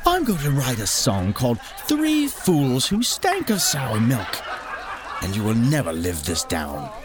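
A man's voice: mid-range voice, huge pitch swings, unhurried. A man voicing a cheeky, loyal, mocking bard in a storybook tale. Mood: gleeful, mocking.

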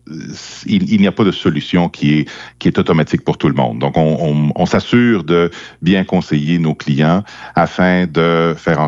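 A man with a Quebec French accent explaining things off the cuff as a podcast guest advisor, haltingly, repeating words. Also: deep voice, a little mellow, dry recording. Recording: slightly dull, dry close recording.

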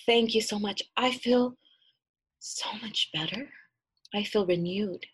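A sly, wounded old grandmother from a spoken folk tale, coaxing and soft, as a woman puts her on. The voice is slow and slightly husky, almost hushed at times. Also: mid-range voice. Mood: sweet, sly.

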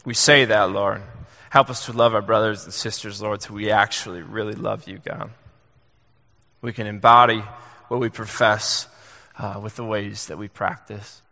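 A young adult man preaching a sermon in a church, earnest and halting, with many fillers and restarts. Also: on the low side, steady tone, vocal fry, sharp tone. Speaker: pastor. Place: church sanctuary. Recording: long hall reverb.

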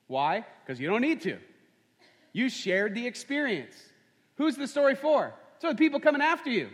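A man's voice: very high voice, sing-song, moderate pace. A man preaching a sermon as pastor, conversational and full of rhetorical questions. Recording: long hall reverb.

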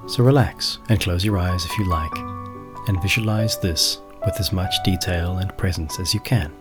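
A man's voice: sits low, normal speed. A man narrating a scripted guided visualization, speaking directly to the listener in an instructive way. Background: music.

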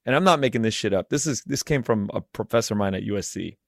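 A man in his forties hosting a podcast interview, asking relaxed, musing questions. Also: on the low side, fast talker, vocal fry, no room sound, studio quality. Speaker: podcast host. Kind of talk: conversational interview.

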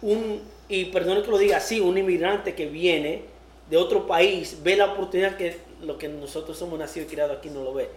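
A woman's voice: fairly low pitch, fairly quick. A woman born in the United States hosting a casual interview, often repeating words and laughing easily. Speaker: podcast host. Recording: echoey room with faint noise.

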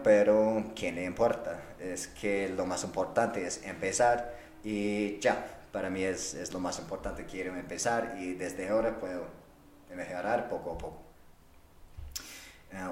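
English native guy w foreign accent doing a solo podcast, slow and halting, lowish voice, echoey room. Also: darkish tone. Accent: English-speaking foreigner's. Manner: halting, searching for words, slips into English words. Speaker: podcast host. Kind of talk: unscripted solo podcast talk. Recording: roomy, echoing sound.

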